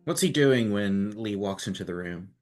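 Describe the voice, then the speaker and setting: A man playing a tabletop game, chatting casually and tossing in jokes. His voice is somewhat low. Faint music sits in the background. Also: animated, moderate pace. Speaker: player.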